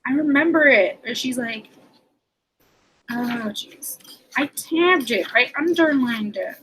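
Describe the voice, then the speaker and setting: A woman's voice: high voice, slow, a bit bright, a little hiss or hum, rough recording. A young woman in a casual book chat, often quoting and acting out lines as she talks. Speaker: book discussion co-host.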